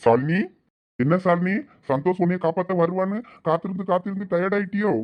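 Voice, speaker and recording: A man's voice: high-pitched, fairly even intonation, brisk, muffled recording, natural voice. A man voicing a scheming male villain in a cartoon, gloating and menacing, with a Thoothukudi Tamil accent. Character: scheming male villain holding a woman captive.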